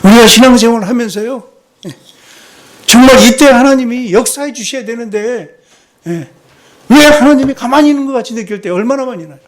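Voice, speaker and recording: In a church sanctuary, a male missionary delivers a sermon, peppering it with rhetorical questions to the congregation and brief "yes" interjections. He has a very high voice and speaks fairly quickly.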